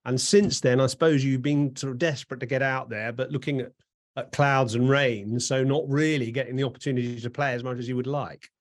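A man's voice: mid-range voice, steady tone, a little fast. A man with an English accent hosting a conversational interview, asking chatty, rambling questions. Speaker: interviewer and host.

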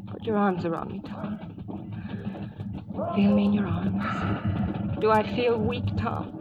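An actress playing a passionate young frontier sweetheart, insistent and imploring, in an old radio melodrama. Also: female voice, mid-range voice, slow, close to an everyday voice. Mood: pleading. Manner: fervent, insistent. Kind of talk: 1940s-1950s radio melodrama acting. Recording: muffled, very noisy old radio recording.

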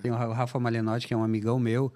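A man, a former footballer as a podcast guest, telling stories in an animated way and laughing often. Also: medium pitch, racing. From southern Brazil. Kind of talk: casual podcast chat.

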